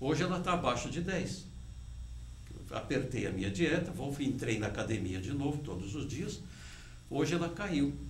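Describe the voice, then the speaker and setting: A man talks at a moderate pace, his words carrying audible room echo over noticeable background noise. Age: 70s. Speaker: physician, nutrition specialist. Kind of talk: TV health interview.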